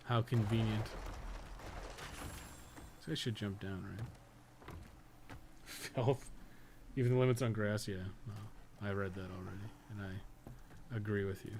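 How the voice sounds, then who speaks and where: A man's voice: lowish voice, steady tone, slow, pauses often, noisy background. A man doing casual live gameplay commentary as a streamer, sweary and sarcastic, often muttering to himself. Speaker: game streamer, podcast co-host.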